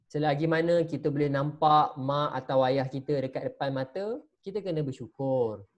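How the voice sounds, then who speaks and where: A man's voice: a little high, moderate pace, dull audio. A man teaching religious studies to children over a video call, telling them a story and stopping often to ask them questions. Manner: animated, talks straight to the children and asks them questions. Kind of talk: teaching an online class, storytelling.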